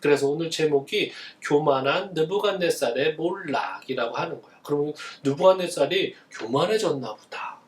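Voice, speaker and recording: A male pastor giving a children's sermon, asking the kids questions and answering them himself in an animated way. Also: on the high side, moderate pace, hardly any pauses, roomy sound, distant mic. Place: church.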